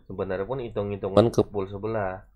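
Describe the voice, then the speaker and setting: A man in a casual football chat, chiming in with quick facts and jokes. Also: on the low side, flat delivery, lo-fi sound, crowd noise. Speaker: football pundit.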